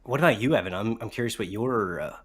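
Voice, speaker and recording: A man's voice: lowish voice, animated, quick pace, a bit bright, husky. A man co-hosting a podcast, chatting in an informal and agreeable way. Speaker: podcast co-host. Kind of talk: casual chat.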